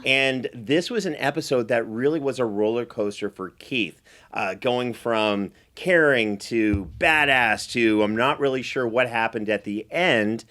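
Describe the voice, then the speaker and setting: A man's voice: mid-range voice, unhurried, a bit bright. A man hosting a recap interview as a producer, speaking in an enthusiastic, emphatic way. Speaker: host and producer.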